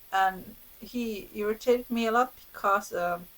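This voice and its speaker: A woman with a Finnish accent. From Finland. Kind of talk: casual talk to camera.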